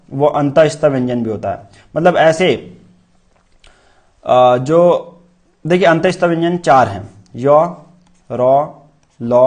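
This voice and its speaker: A man's voice: on the high side, darkish tone. A man teaching a grammar lesson for exam preparation, demonstrating sounds aloud and quizzing students with questions he answers himself. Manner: repeats key terms as questions and answers them.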